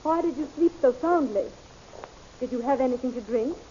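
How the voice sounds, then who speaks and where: An actress playing a concerned, kindly princess in a 1930s radio serial, on a muffled, hissy old recording. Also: female voice, sits high, normal speed, warm tone, natural voice. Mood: urgent, helpful.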